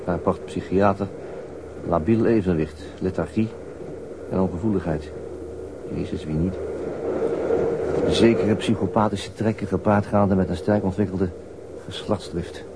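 A man's voice: low voice, steady tone, unhurried, long pauses, heavy background noise. An actor playing a stern, methodical male police interrogator in a radio crime drama, with clipped, formal and insistent questioning. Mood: dry, muttering.

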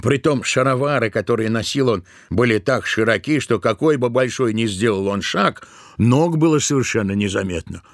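A man narrating a tale for an audio play in an expressive, measured storytelling manner. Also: medium pitch, no room sound, clean studio sound.

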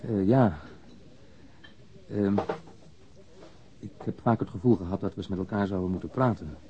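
Actor as a low, subdued man, dull recording. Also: moderate pace, slight background noise, lightly acted. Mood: regretful. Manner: hesitant, reserved, brief replies. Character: thin, subdued, guilt-ridden man with a broken past. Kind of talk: naturalistic Dutch radio drama acting. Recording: dull, band-limited old radio recording.

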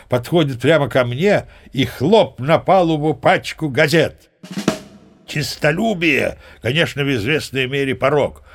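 Boastful old sea captain, gravelly. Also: male voice, mid-range voice. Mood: leisurely reminiscing. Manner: expressive, self-important, savoring his words. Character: boastful old sea captain telling his tall tales. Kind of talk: theatrical storytelling in an audio play.

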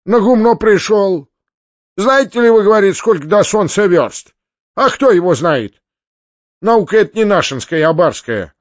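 A man's voice: high voice, animated, normal speed, no echo, highs cut off, voice pushed up. A man doing a sour, sardonic peasant. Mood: mocking. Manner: sardonic, venomous. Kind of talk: audiobook character reading.

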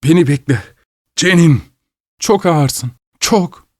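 A man's voice: moderate pace, a little mellow, no echo, studio quality, natural voice. A man voicing a wild young woman who shrieks taunts while sleepwalking in a read-aloud story. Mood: taunting shrieks. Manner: shrill, triumphant shrieking.

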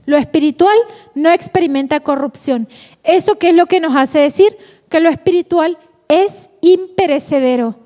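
A woman's voice: high voice, moderate pace, dark tone. A woman giving a Catholic formation lecture. She is playful, laughs often and asks rhetorical questions. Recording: echoey hall, long reverb.

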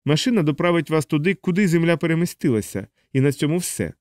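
Man doing a lecturing high-voiced alien helper. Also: lively intonation, quick pace, a little mellow, no room sound, studio quality, natural voice. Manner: didactic, explaining at length. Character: fussy alien male helper, lecturing and urgent. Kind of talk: audiobook character voice.

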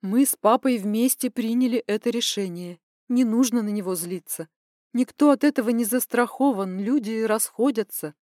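Woman playing a tearful middle-aged mother, soothing, pleading, slightly higher voice. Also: moderate pace, a little mellow, no echo, studio quality, natural voice.

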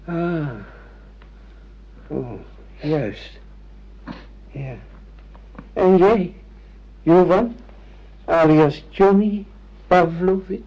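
Slow, husky, bewildered amnesiac father. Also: sits high, exaggerated voice. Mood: searching, unsure. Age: middle-aged. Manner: hesitant, questioning. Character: bewildered father with memory loss, searching and earnest. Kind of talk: radio play acting. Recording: dull lo-fi radio play recording.

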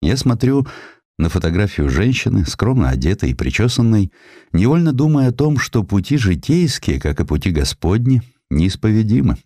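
A man narrating a historical literary audiobook in a measured, expressive, dramatic storytelling manner. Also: on the low side, no room sound, clean studio sound.

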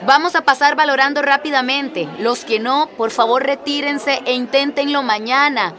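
An actress playing an overwhelmed clinic worker in a radio drama, loudly pleading with a crowd to keep order. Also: female voice, sits high, normal speed, lightly acted. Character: harried female clinic worker facing a crowd. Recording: crowd noise behind.

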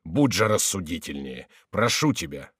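A man's voice: low voice, big pitch swings, moderate pace, a bit bright, slightly rough, no room sound, studio quality, pitched below the performer's own voice, full character voice. A man voicing a volatile, anguished adult male king in a storybook reading. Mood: agitated. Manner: agitated, imploring, wrathful.

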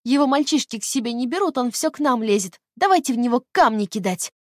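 A woman voicing a hypnotized woman who shrieks her childhood hatred in a shrill, childlike voice. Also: animated, fast talker, no echo, clean studio sound, natural voice. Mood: shrill spiteful.

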